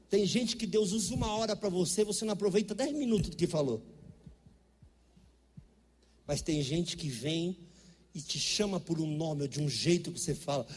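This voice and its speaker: A man's voice: fairly high pitch, darkish tone, slightly rough, big-room sound. A middle-aged Brazilian man preaching a sermon, telling stories in an emphatic, conversational way. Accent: Brazilian Portuguese. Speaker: pastor. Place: church.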